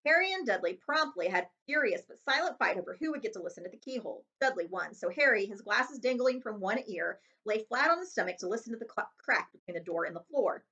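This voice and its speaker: Animated, bright-voiced woman reading a storybook. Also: fairly high pitch, fast, hardly any pauses, lo-fi sound. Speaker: read-aloud host. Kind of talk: expressive storybook narration.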